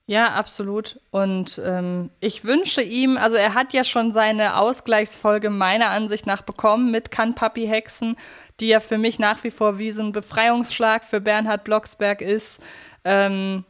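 A woman with a mid-pitched voice co-hosts a fan podcast. She talks in a casual, conversational way, discussing an audio drama series. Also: fairly even intonation, a little slow, clean tone. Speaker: podcast co-host.

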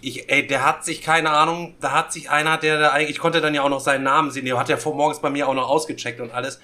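Ein Mann mit heller, etwas hoher Stimme plaudert in einer Podcastrunde. Seine Art ist derb, aufgekratzt und voller Kraftausdrücke. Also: male voice, fairly high pitch, fast talker. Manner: crude, excitable storytelling, slips into loud impressions. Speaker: podcast co-host. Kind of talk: casual storytelling chat.

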